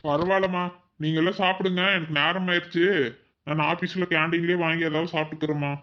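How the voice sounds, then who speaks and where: A man's voice: on the high side, little pitch movement, fast, dull audio, lightly acted. A man playing a fretful young husband who is scared of ghosts, in a cartoon. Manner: whiny, fretful. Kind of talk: cartoon voice acting.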